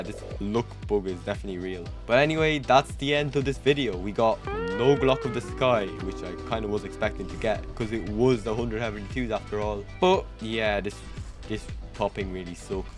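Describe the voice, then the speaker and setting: A young adult man giving casual gameplay commentary to camera as the host of a gaming video. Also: on the low side. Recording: music behind the voice.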